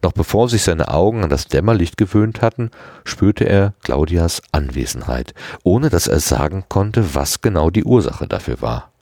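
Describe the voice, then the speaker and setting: A man reading a story aloud in an expressive manner, giving each character a voice. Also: deep voice, moderate pace, dry recording, studio quality. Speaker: audiobook reader.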